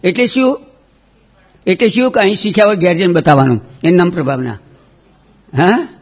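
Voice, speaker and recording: A man teaching children a religious lesson, chanting terms loudly for them to repeat, then dropping to quick, quiet scolding. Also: sits high. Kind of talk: call-and-response chanting lesson.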